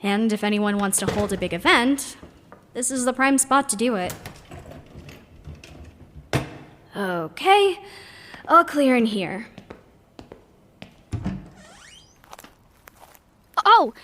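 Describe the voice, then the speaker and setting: A woman's voice: on the high side, a bit bright, slight background noise. An actress playing a thoughtful young woman in an audio drama, giving a conversational, reflective walking tour of her community with hesitant asides. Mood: fond, casual. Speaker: narrator character.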